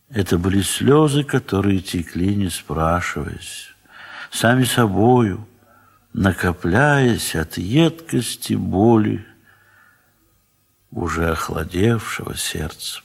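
A man narrating a classic story in a 1970s Soviet audio drama, in a dramatic literary style with measured, expressive pauses. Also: fairly low pitch, gravelly, breathy edge.

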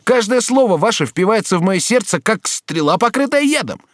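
A man's voice: high voice, big pitch swings, a little fast, no room sound, studio quality, pitched above the performer's own voice. A man reading an audiobook, voicing a torn, agitated young man who resists a duchess. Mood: anguished. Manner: anguished, reproachful.

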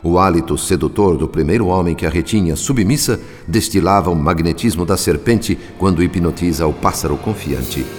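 A man narrating a radio drama in a measured, solemn style. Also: low-pitched, in a large hall, faint music behind.

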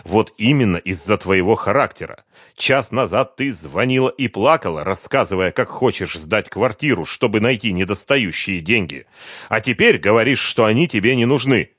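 A man reads a stern ex-husband in a low, firm voice, curt and unyielding. His delivery is lively in pitch, and the recording is dry and close. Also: normal speed, no room sound. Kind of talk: audiobook character voice.

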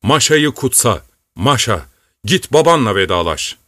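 A man's voice: medium pitch, big pitch swings, measured pace, sharp tone, dry recording. Elderly, bossy officer's wife, put on by a male narrator; blunt, devout, dry close recording. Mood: solemn. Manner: pressing, blunt questions. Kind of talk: audiobook character voice.

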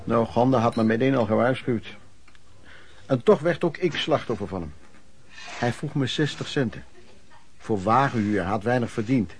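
A man's voice: mid-range voice, normal speed, pauses often, slight background noise, natural voice. An actor playing a former street peddler who frankly recounts his youth as radio play narration, in a conversational way. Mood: reminiscing. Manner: conversational storytelling.

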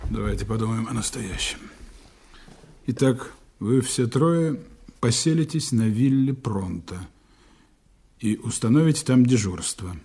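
An actor playing a smooth, authoritative German agent giving orders to his team in a radio play, speaking in calm, clipped tones. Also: mid-range voice. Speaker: intelligence operative commanding a team.

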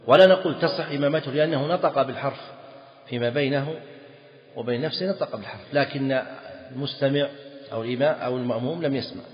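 A man's voice: mid-range voice, quick pace. Man lecturing in a reverberant hall. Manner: explanatory, quizzes students, repeats phrases. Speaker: Islamic scholar teaching fiqh. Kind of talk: classroom lecture on a text. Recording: dull lo-fi audio in a reverberant hall.

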